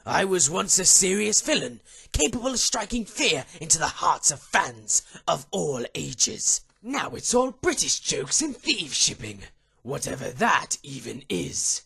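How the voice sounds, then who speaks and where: A sardonic villainous spirit in an audio drama. The voice is harshly husky and forceful, swinging with theatrical disdain. He sounds thoroughly bored by his duty. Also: on the high side, big pitch swings, a little slow, heavily acted. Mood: bored, disdainful. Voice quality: raspy, gravelly. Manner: theatrical, disdainful, articulate grumbling. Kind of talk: fan audio drama acting.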